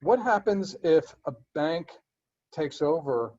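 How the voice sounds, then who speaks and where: A man answering board questions in a webinar, explaining legal steps in a measured way with frequent fillers and restarts. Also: on the high side, lively intonation, darkish tone, highs cut off. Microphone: web conference audio.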